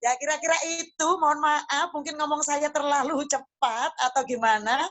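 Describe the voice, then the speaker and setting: A woman's voice: high voice, steady tone, normal speed, fairly bright tone. A woman giving an online class lecture to teachers, chatty and emphatic, speaking into a phone. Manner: chatty, emphatic, tags phrases with "loh ya". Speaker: guest lecturer.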